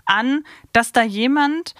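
A woman's voice: on the high side, slow, fairly bright tone, no echo, clean studio sound. A woman chatting casually as a podcast co-host, discussing episodes as a fan.

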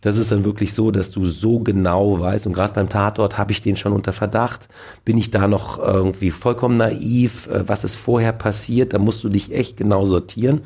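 A male actor as an interview guest, telling lively stories about film sets in a casual way. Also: fairly low pitch, normal speed, husky. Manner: animated storytelling with acted quotes.

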